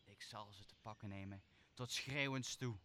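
A man's voice: lowish voice, normal speed, sharp tone. A man acting a vengeful magician who commands spirits in a Shakespeare radio play, solemn and authoritative. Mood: bitter, vengeful. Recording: faint background noise.

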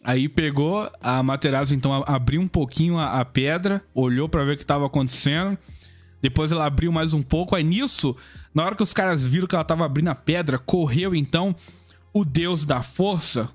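A man's voice: a little high, fairly quick, soft background music. A Brazilian man casually retelling a myth on a podcast, crude and joking, acting out the characters in raised voices. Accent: Brazilian Portuguese. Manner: jokey, crude, acts out the gods in raised voices. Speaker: podcast host.

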